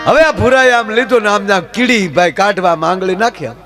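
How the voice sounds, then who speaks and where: A man's voice: high-pitched, a little fast, over music. A man with a Kathiawadi Gujarati accent telling comic stories on stage in a chatty way, talking straight to the crowd. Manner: chatty, addresses the crowd directly. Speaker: folk stage storyteller. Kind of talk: stage comedy storytelling.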